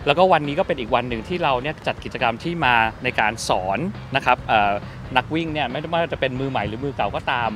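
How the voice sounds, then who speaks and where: A middle-aged man speaking as a company representative in an outdoor press interview, measured and full of hesitant fillers. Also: mid-range voice, a bit bright, a little hiss or hum. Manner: measured, many fillers and polite particles. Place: outdoor park at an event. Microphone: press microphones held close.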